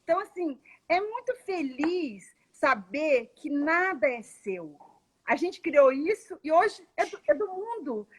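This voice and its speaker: High voiced woman hosting a live video chat, talkative, tells stories, laughs a lot. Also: very animated, unhurried. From Goiânia, Brazil. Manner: chatty, storytelling, laughs easily. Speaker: host. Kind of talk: casual live interview.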